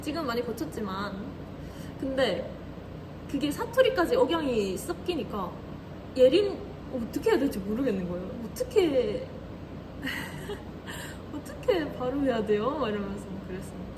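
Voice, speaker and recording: A woman's voice: high-pitched, sing-song, normal speed, background noise. A young woman in her twenties with a slight Korean regional dialect, chatting casually and giggling often on a livestream. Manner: giggly, chatty, reads and answers comments. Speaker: idol livestream host.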